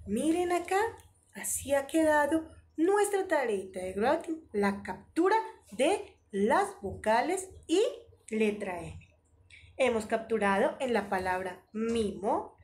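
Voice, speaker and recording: Sing-song woman, lively preschool teacher. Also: sits high. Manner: sing-song, exaggerated, encouraging. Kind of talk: online preschool lesson.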